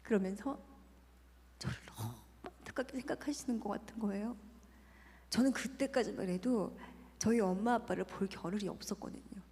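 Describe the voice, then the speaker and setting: A woman's voice: medium pitch, normal speed, dark tone, a little hiss or hum. Earnest woman testifying in an echoing hall. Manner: earnest, often drops to a near whisper. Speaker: church deaconess giving testimony. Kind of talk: emotional personal testimony. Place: large church hall at a retreat. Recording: long church-hall reverb.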